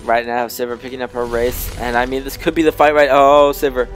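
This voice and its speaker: A young man giving amateur play-by-play commentary on a video game, getting excitable and loud during fights. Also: mid-range voice, fast talker, soft background music.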